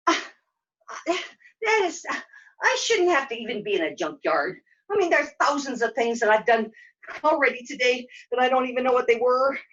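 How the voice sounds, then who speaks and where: A woman playing a flustered, forgetful but plucky young heroine in a puppet show, halting and excitable. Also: sits high, voice pushed up. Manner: halting, excitable, self-questioning. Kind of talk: puppet show character acting. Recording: dull, lo-fi sound.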